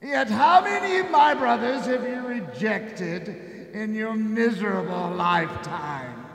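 A jolly giant spirit of Christmas, with a high, swooping voice that rings through a reverberant hall. He teases and chuckles in grand theatrical radio play style. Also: sing-song, slow, creaky, full character voice. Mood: amused, teasing. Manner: theatrical, hearty, chuckling between phrases. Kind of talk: stage radio play acting. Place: theater stage before an audience. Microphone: shared stage microphone. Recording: echoey live stage hall with long reverb.

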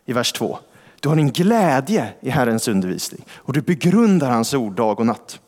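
A male pastor giving a sermon in a church, with a conversational style, asking rhetorical questions and reading scripture slowly. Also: medium pitch, big pitch swings, a little mellow. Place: large church hall. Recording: long church reverb.

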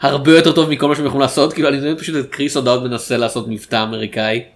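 A man's voice: medium pitch, flat delivery. A man co-hosting a casual film podcast, joking and self-deprecating as he talks. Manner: jokey, self-deprecating, quick asides. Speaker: podcast co-host.

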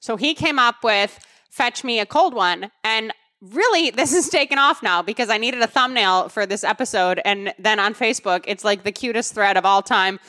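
A woman co-hosting a podcast in easygoing, casual chat. Her voice sits fairly high and rings very bright and clear. She talks freely and laughs easily. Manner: chatty, quick to laugh. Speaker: podcast co-host.

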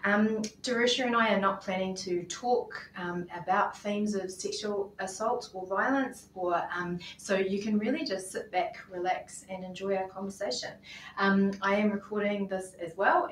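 A woman hosting a live podcast interview in a small office, chatty, with many ums and laughs. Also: medium pitch. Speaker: podcast host. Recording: roomy, distant mic, faint noise.

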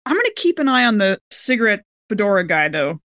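A woman's voice: medium pitch, very animated, fast, fairly bright tone, no room sound, studio quality. Casual woman player in a tabletop game. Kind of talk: casual improvised role-play.

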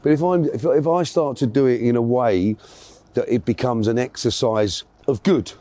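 A man's voice: mid-range voice, moderate pace, warm tone, dry recording. A middle-aged man with a South London accent, chatting casually as an interview guest and telling stories in an effusive, affectionate way, repeating phrases for emphasis. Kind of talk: casual anecdotal chat.

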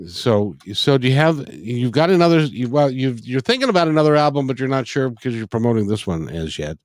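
A man's voice: medium pitch, big pitch swings, fairly quick, no echo. Effusive, rambling man in a dry recording. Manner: effusive, rambling, repeats phrases. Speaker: interview host. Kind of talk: casual music interview.

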